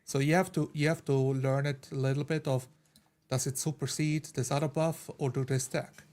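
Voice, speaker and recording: A man with a medium-pitched voice talks informally as a tabletop player. His delivery is halting, circling back over words while he thinks through the rules. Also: level tone, a little mellow. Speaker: tabletop role-playing player. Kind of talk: casual chat about game rules.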